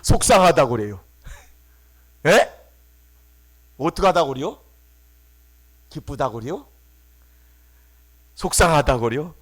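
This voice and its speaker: Emphatic Korean pastor preaching. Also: male voice, fairly high pitch, sing-song, unhurried, long pauses, fairly bright tone. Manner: emphatic, calls for congregation responses, acts out quoted voices. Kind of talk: sermon. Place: church sanctuary.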